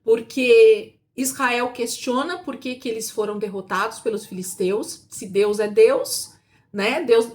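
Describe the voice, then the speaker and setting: A woman teaching a Bible class in a conversational, emphatic way, asking rhetorical questions and slowing down to stress her points. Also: on the high side.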